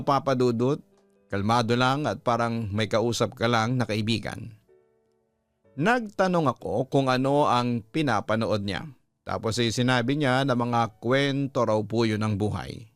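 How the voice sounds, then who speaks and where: A Filipino man working as a storytelling host, reading a scripted first-person letter in a measured, earnest way. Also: mid-range voice, no echo. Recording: music playing behind the voice. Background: background music.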